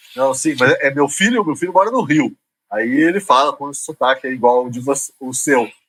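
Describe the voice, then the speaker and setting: This man talks at a moderate pace in a fairly high voice, with ordinary pitch variation and big swings in loudness. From Curitiba, southern Brazil. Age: 40s. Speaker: columnist and writer. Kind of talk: casual interview.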